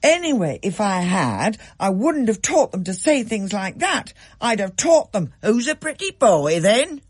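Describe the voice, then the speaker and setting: A man's voice: high-pitched, big pitch swings, unhurried, husky, voice pushed up, heavily acted. A man doing a stern no-nonsense dad. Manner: firm, no-nonsense demands. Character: stern working father, middle-aged.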